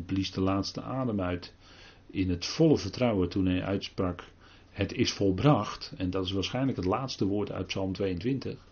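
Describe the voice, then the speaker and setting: An older man giving a halting Bible talk, full of pauses and restarts. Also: low-pitched, a little mellow, breathy edge, dull audio. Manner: halting, many fillers and restarts. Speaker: preacher.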